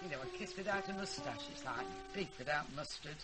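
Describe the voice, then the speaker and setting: A woman's voice: low voice, wildly swooping pitch, fairly quick, over music. An actress playing a feisty, mischievous old grandmother with a Northern English accent in a British radio drama, blunt, wry and earthy. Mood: nostalgic. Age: older. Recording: hissy, noisy radio drama recording.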